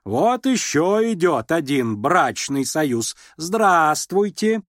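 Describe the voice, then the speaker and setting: A commanding noblewoman of middle years , voiced by a man reading an audiobook, snaps and scolds in a raised, lifted voice. Her speech swings widely in pitch, full of scorn. The sound is close and dry. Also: very animated, takes it slowly, dry recording. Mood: mocking. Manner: haughty, scolding, abrupt. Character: imperious middle-aged noblewoman, irritable, sharp-tongued mother.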